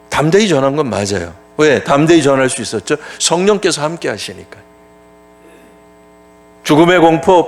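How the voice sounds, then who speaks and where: A male pastor preaches in a church with a fairly high voice. His pitch rises and falls a great deal as he talks. He keeps the sermon conversational and answers his own rhetorical questions.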